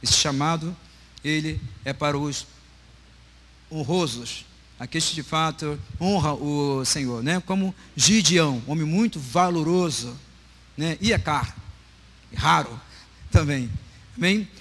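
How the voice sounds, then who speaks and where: Long, frequent pauses break up a man's very slow speech, his fairly high voice showing ordinary pitch variation. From Brazil, Rio de Janeiro. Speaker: pastor. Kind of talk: sermon.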